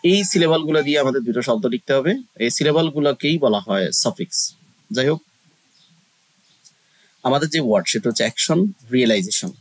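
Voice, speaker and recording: A man's voice: mid-range voice, animated, a little fast, pauses often, no echo, low-quality recording. A man giving a casual English lesson, explaining step by step with frequent hesitations. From Bangladesh. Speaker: online English tutor.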